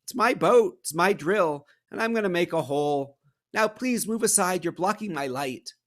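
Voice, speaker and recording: A man voicing a stubborn, calm old fisherman in a storybook reading, answering in a flat, matter-of-fact way. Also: sits high, normal speed, pitched above the performer's own voice. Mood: patient.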